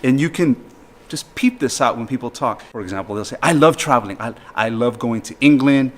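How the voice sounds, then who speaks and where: An American man hosting a casual conversation, talking emphatically and getting animated when he mocks how people talk. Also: mid-range voice, brisk. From United States. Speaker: host.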